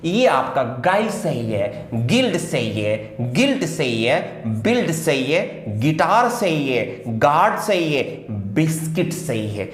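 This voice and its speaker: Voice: mid-range voice, big pitch swings, slow, hardly any pauses, echoey room, soft background music. A teacher explaining spelling rules in a video lesson, repeating each point and asking and answering their own questions. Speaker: English teacher.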